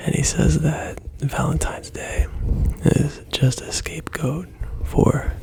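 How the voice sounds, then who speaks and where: Whispering against noticeable background noise. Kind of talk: ASMR, soft spoken and clicky whispers. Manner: soft-spoken.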